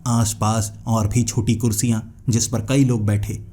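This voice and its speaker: A man's voice: fairly low pitch, level tone, unhurried, mellow, husky. A man telling a horror story in the first person, in scripted, dramatic narration. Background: faint background music.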